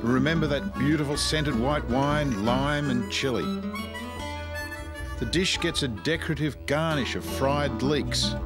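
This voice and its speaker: Australian man, cooking show host, voice-over narration, easygoing, loud guitar music behind. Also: mid-range voice, unhurried. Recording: music bed under the voice-over.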